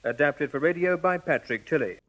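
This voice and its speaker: A man's voice: on the high side, fairly quick, dull audio. A man making a formal continuity announcement on the radio.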